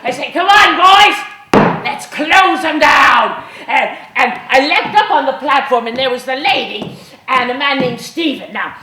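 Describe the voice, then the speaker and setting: A woman voicing a brash, rowdy male mob leader with a rough folksy dialect, performing a one-woman historical story in an echoey hall. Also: high voice, normal speed, close to an everyday voice. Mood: boisterous. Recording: echoey hall, faint room noise.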